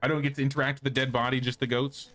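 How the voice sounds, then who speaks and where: A man's voice: medium pitch, flat delivery, rapid-fire, pushed and bright, soft background music. A man doing casual livestream gameplay commentary, chatting and thinking aloud as he plays. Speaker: game streamer.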